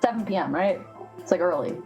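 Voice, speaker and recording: A woman's voice: fairly low pitch, lively intonation, a little fast, music in the background, low-quality recording. A woman playing a tabletop game, chatting and bantering playfully in and out of character. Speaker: player. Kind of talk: casual tabletop role-play.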